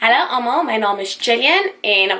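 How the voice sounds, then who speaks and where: Over noticeable background noise, a woman speaks in an animated tone at a fairly slow pace. Her fairly high voice moves in very wide pitch swings. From South Africa. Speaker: beauty youtuber. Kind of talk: makeup tutorial.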